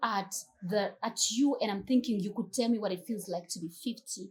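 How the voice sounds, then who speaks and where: A woman speaks at a moderate pace in a somewhat breathy voice with a dark, mellow tone and ordinary pitch variation. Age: 40s. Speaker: healing retreat host. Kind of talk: interview questions.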